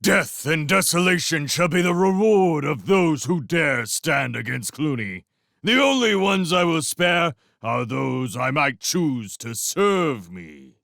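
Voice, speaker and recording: A cruel, boastful rat warlord, as a man reads him aloud, sneering one moment and bellowing the next in a wild, swooping voice. The tone is gravelly and sharp. It is a storybook villain sound, recorded close and dry. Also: a little high, very animated, slow, dry recording, pitched above the performer's own voice, heavily acted. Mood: menacing. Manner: sneering, boastful tirades that swing to roars. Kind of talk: storybook reading.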